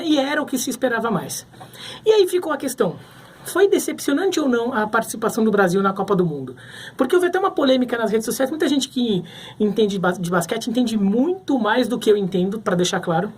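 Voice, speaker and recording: A man's voice: sits high, slight background noise. A man from Brazil giving casual sports commentary to camera, thinking aloud with frequent restarts.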